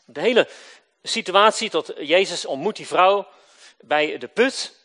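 Preaching a sermon at a measured pace, a man alternates loud, emphatic lines with quiet, low endings. His intonation is lively, and he poses questions to his listeners that he then answers himself.

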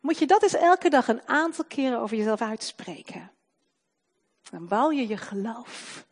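A woman delivers a sermon in a voice pitched a little high. She swings between loud, fervent proclamation and soft, slowed emphasis on key words. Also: expressive. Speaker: preacher.

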